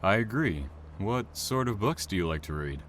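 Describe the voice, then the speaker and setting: Low-voiced reserved train driver played by an actor. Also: male voice, expressive, normal speed, fairly bright tone. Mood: reserved, dry. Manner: reserved, hesitant, dry. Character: Dan, reserved, awkward bookish male train driver. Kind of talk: audio drama dialogue. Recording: station ambience noise behind voice.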